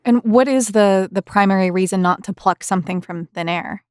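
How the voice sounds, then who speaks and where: A woman's voice: mid-range voice, moderate pace, darkish tone, clean tone. A woman interviewing a guest in a casual, conversational way.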